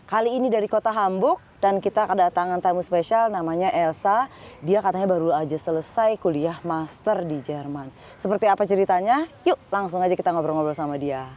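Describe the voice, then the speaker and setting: A woman's voice: on the low side, brisk, a little mellow. A woman hosting a podcast, asking questions in a friendly way and giving many short backchannel replies. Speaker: podcast host. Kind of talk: casual interview chat. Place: outdoors. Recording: dull lo-fi sound.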